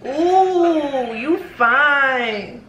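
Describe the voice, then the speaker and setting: A young woman from the Bahamas, chatting with strangers in a casual, bubbly, flattering way. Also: high voice, extremely slow, muffled recording. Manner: bubbly, flattering, laughs often. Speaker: vlogger. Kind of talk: casual video chat with strangers. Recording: echoey room, faint noise.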